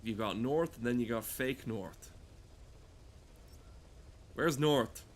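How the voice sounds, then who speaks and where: A man's voice: mid-range voice, takes it slowly. Rambling man over noticeable background noise. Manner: rambling, heavy swearing. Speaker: gamer talking over gameplay. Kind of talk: crude comedic rambling commentary.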